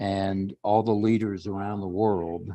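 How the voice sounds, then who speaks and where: Quiet and very slow, a man speaks in a fairly low, dark, mellow voice with monotone, flat intonation. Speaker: network marketing member and live show co-host. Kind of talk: casual group call remarks. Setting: video call from a senior care center. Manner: slow and quiet.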